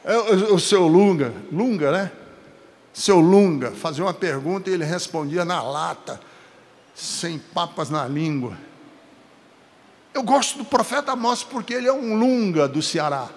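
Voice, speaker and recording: A man from Brazil with a Brazilian Portuguese accent, preaching a sermon emphatically, building to forceful peaks and breaking into chatty asides to the congregation. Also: sits high, lively intonation, measured pace, in a large hall.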